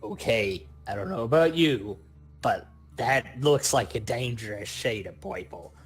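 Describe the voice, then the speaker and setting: A man voicing an eager, wary goblin demolitionist in a tabletop game, excitable and wisecracking. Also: medium pitch, measured pace, slightly rough, faint music behind. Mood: wary, suspicious.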